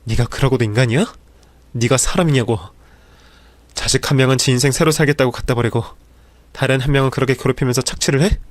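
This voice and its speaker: A man voices a furious grown son, accusing and insulting. The voice is mid-pitched for a man. The sound is dry and close. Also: fast talker, no room sound, lightly acted. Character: furious grown son confronting his birth mother.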